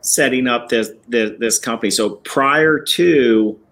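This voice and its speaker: A man's voice: medium pitch, unhurried, fairly bright tone. A man hosting a podcast from a church building, introducing and interviewing a guest with enthusiasm and some restarts. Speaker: podcast host.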